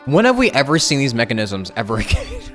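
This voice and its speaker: A man's voice: medium pitch, wildly swooping pitch, fast, fairly bright tone. A man livestreaming a game with casual, slangy commentary, reacting off the cuff. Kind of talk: casual live commentary while gaming. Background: game music and sound.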